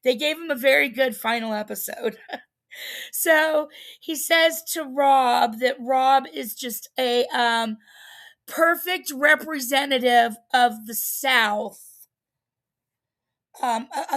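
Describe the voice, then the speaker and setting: A woman with a high voice and a bit of gravel in it, talking slowly. She chats through a show recap, rambling, full of "um" and "you know," and laughing at herself. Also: bright, forceful tone. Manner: chatty, rambling, laughs at herself, many fillers. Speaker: livestream host recapping a reality show. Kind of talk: casual solo recap.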